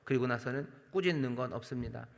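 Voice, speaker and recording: A male pastor preaches at a Friday night prayer service, speaking straight to the congregation. His voice sits at an ordinary middle pitch and moves between forceful emphasis and quiet, drawn-out phrases. Everything rings with the long reverb of a large church sanctuary. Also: creaky. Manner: earnest preaching with emphatic swells and soft drops; addresses the congregation directly and voices God's questions. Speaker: senior pastor.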